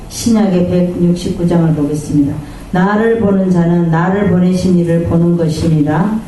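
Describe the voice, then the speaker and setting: A woman's voice: on the low side, mellow, slight background noise. Woman pastor preaching in an echoey hall. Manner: preaching with call-and-response amens, acting out quoted voices. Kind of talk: sermon. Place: church sanctuary. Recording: echoey church hall from far off.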